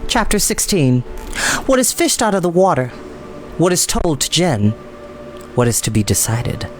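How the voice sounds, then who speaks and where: A man's voice: a little high, very animated, normal speed, soft background music. A man hosting a storytime, moving between casual, rambling chat and reading a story aloud. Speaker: host and storybook reader.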